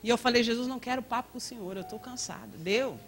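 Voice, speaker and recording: A Brazilian woman pastor preaching in a church, telling a personal story with lively quoted dialogue. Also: fairly high pitch, fast talker, slight background noise. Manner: storytelling with acted quotes and laughter. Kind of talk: testimony sermon.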